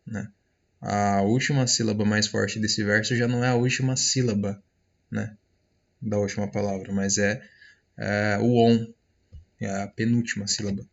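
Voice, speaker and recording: A man's voice: fairly low pitch, creaky, muffled recording. A man with a Brazilian accent teaching an online literature class in a casual lecture style, checking in with his students after almost every phrase. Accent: Brazilian Portuguese. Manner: casual, many fillers and check-ins.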